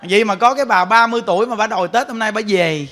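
A Buddhist monk preaches through animated storytelling, laughing frequently and talking directly to his audience. He has a high voice and a fast delivery.

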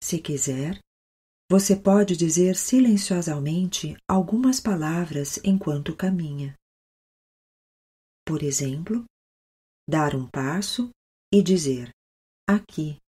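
A Brazilian woman leading a guided meditation as an instructor, with the calm, soothing delivery of a yoga teacher and long pauses. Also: low-pitched, slightly rough.

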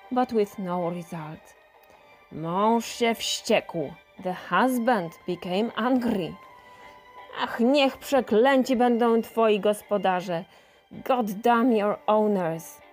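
A woman reading a folk tale aloud in two languages, slow, expressive and gentle. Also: a little high. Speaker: storyteller. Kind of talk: bilingual storybook reading, each line repeated in translation. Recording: faint music under the voice.

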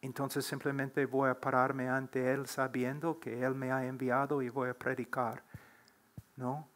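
A middle-aged man answering questions on a church panel in a slow, earnest, preacherly way that builds to emphatic exhortation. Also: medium pitch, flat delivery, a bit bright. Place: church platform, seated before a large wooden cross.

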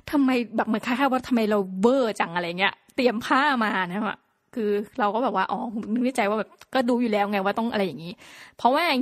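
A woman's voice: on the high side, no room sound. Chatty woman with a dry close sound. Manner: chatty and playful, with lively exclamations. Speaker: podcast host. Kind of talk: casual solo podcast talk.

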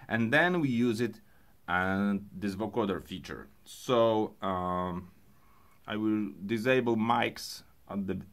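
A man who speaks English as a second language, presenting an unscripted hands-on music gear tutorial in a halting way, thinking aloud. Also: on the low side. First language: not English.

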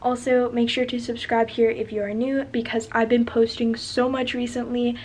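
A woman's voice: fairly high pitch, level tone, normal speed, a little mellow, slight background noise. A young adult woman talking casually to camera in a vlog, chatty and upbeat with lots of fillers. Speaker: vlogger.

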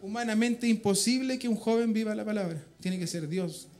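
A Chilean Spanish-speaking man delivers a passionate testimony to his church congregation in their meeting room, repeatedly calling out to his brothers in faith. His voice sits high with a somewhat dark tone, and he talks briskly.

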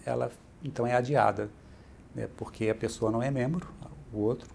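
A man's voice: medium pitch, fairly quick, gravelly, slight background noise. A middle-aged man with a Brazilian accent, a church bishop patiently explaining things as an interview guest, often adding "né". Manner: steady, explanatory, adds "né" often. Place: bright furnished room, indoors.

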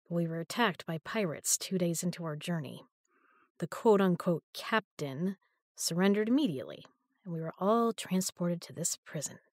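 A woman voicing a frightened prisoner in a sci-fi audio drama, weary and hushed, breaking into frantic pleading when she is left behind. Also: fairly low pitch, dry recording, studio quality.

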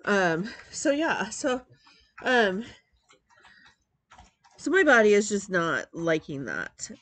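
Talking casually to camera from her craft room at home, a woman in her forties from Metro Detroit, Michigan, rambles through her crafting vlog, full of ums and false starts. She speaks on the low side with a fairly bright tone, though her voice is congested and nasal. A desk webcam does the recording.

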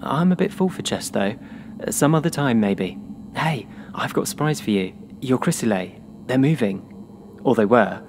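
An actor playing an earnest, gentle research scientist in a naturalistic audio drama. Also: male voice, medium pitch, animated, moderate pace, background noise, close to an everyday voice. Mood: friendly.

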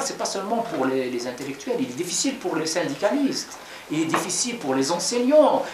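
A man in his forties, a Kabyle-born novelist, giving thoughtful, hesitant interview answers in a small office. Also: high-pitched. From Algeria, Kabylie. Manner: reflective, gestures while talking, many hesitations. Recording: echoey room from far off, crowd murmur.

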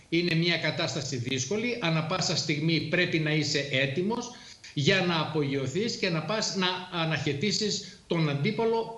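A middle-aged man, a former air force pilot, explaining things in a measured way with frequent hesitations on a studio talk show. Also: on the high side, fairly bright tone, roomy sound.

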